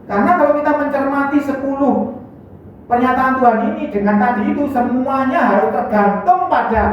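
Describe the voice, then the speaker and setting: Animated preacher with a lilt. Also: sits high, a little fast. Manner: animated, rhetorical questions, acts out dialogue. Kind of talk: sermon. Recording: echoey hall, distant dull mic.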